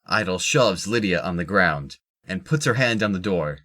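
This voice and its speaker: A man's voice: low voice, animated, moderate pace, pushed and bright. A man reading scripted narration for an audio drama.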